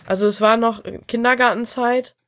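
A woman's voice: fairly high pitch, steady tone, moderate pace, fairly bright tone, dry recording, studio quality. A woman with a cold, chatting casually on a podcast, rambling and laughing often. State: has a cold. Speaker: podcast guest. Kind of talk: casual chat.

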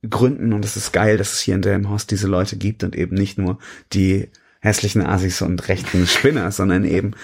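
A man co-hosting a podcast in relaxed, slangy casual chat, with many fillers. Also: deep voice, brisk, creaky, breathy edge.

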